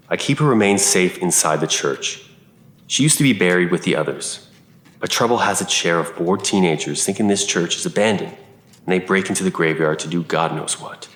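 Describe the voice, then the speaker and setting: A man playing a grave, cryptic churchman in an audio drama, unhurried and solemn. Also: sits low, a bit bright. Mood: calm, reassuring. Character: grave, cryptic churchman guarding a dead woman's remains. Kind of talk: scripted audio drama dialogue. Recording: echoey room.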